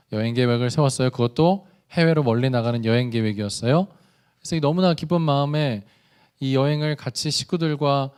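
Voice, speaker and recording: A man preaching a sermon as youth pastor in a church service, telling stories in a lively, conversational way and asking the listeners questions. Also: on the high side, clean tone. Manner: animated, conversational storytelling; addresses the congregation directly with questions.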